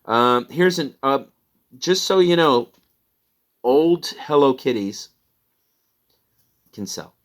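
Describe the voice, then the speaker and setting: With lively intonation and a medium pitch, this Midwestern American reseller speaks slowly, pausing often as he chats about items he's sold. His recap is rambling and talkative, peppered with self-directed laughter.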